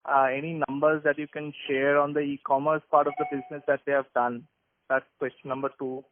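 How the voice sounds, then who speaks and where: Analyst guy asking questions, kinda high voice, dry phone line, stop-start. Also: little pitch movement, fairly quick. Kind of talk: hesitant spoken questions on earnings call.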